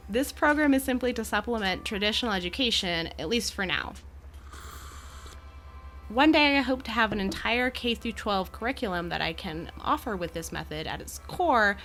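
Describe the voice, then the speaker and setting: A woman's voice: mid-range voice, sharp tone. A woman playing an amiable, poised Gorgon educator in an audio drama, with articulate, genteel and reassuring phrasing.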